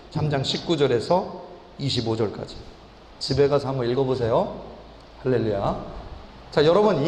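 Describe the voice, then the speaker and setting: A male pastor preaching a sermon to his congregation. He calls out hallelujah, jokes lightly with the pews, and acts out God's pleading lines with sudden swings in pitch. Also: a little mellow. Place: church sanctuary. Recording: echoey church hall, faint room noise.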